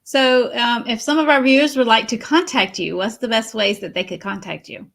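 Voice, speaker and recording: A woman's voice: on the high side, moderate pace, creaky, fairly bright tone. A woman hosting a casual interview, enthusiastic and repeating "awesome" often. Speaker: host.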